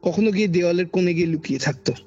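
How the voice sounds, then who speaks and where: Speaking very fast in a high, husky, gravelly voice with a darkish tone, this Kolkata-accented man relates his own eerie ghost experience as a podcast guest. His storytelling is chatty and dramatic, with phrases repeated for emphasis. Background music plays under dull, lo-fi sound.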